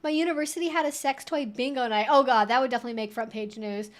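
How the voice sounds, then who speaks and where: High-voiced woman chatting on a livestream. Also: quick pace. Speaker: livestream host. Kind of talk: casual Q&A livestream chat.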